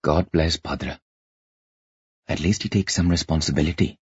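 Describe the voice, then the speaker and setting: A man plays a brooding tribal chief from a fantasy audiobook. His low, husky voice turns inward, as if thinking things through alone. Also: fairly even intonation, normal speed, dry recording, muffled recording, heavily acted. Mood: wry musing. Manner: musing, inward.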